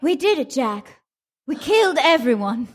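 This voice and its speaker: Woman playing a high-voiced, gutsy First Lady. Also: sing-song, normal speed, background noise. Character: gutsy, breezy American First Lady, observant and game. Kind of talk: live comedic radio play acting.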